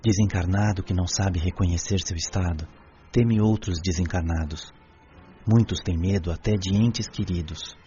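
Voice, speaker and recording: An actor playing a calm, fatherly spirit guide in a radio drama, speaking with kindly reassurance. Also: sits low, normal speed, close to an everyday voice. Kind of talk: audiobook radio drama acting. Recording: dull band-limited audio, faint music.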